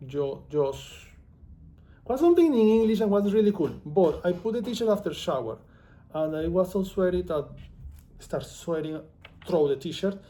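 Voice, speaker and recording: A man with a slightly high, mellow voice, an author and vlogger whose mother tongue is Spanish, carries a Venezuelan accent from his home country. He chats to camera casually, drifting between topics and making jokes at his own expense.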